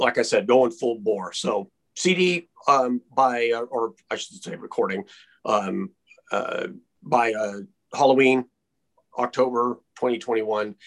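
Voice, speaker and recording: A man at a medium pitch with lively intonation, a very slow pace and long, frequent pauses, in a dry, close sound with no echo. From California, San Francisco Peninsula. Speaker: surf rock guitarist. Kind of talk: casual interview.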